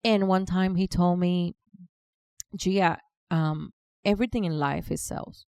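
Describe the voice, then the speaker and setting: A woman's voice: fairly low pitch, unhurried, mellow, clear, resonant tone, no echo, studio quality. A woman in her forties with a Cuban Spanish accent and Spanish as her first language, chatting as a podcast guest. She talks freely, often restarts her sentences and laughs easily. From Cuba. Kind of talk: casual interview conversation.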